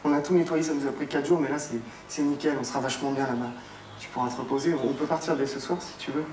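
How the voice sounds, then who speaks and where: A man's voice: mid-range voice, fairly even intonation, fast talker, natural voice. An actor playing a volatile young man who flares up and swears. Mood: eager. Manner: explosive, swearing. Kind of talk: film acting. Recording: roomy film sound, distant mic, noisy.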